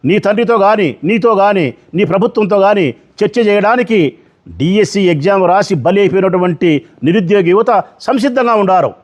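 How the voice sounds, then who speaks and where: A middle-aged man delivers a political press statement. His voice sits fairly high for a man. He speaks combatively, firing off rhetorical questions. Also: animated, moderate pace, a little mellow.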